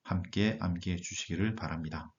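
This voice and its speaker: A man narrating a language lesson, reading word lists slowly and deliberately. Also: sits low, lo-fi sound. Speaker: German language teacher.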